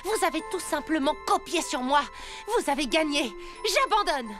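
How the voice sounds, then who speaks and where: A woman's voice: sits high, animated, moderate pace, music in the background. A woman voicing a touchy, secretive cartoon girl, hesitant and theatrical, in a children's animation dub. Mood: indignant, wounded. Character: flustered, touchy, secretive cartoon girl, dramatic when wronged.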